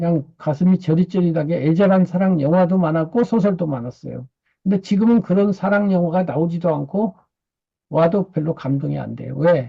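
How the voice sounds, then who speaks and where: Pitched high for a man, his dark, mellow tone moves at a moderate speed, rising and falling in an ordinary way. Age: 70s. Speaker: writer and professor. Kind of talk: lecture. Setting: video call.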